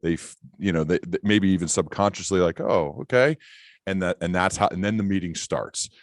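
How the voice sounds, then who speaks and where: A man with a low voice hosts a podcast. He shares anecdotes in a casual, conversational style. The recording is dry, with hardly any room sound. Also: brisk, no room sound. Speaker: podcast host.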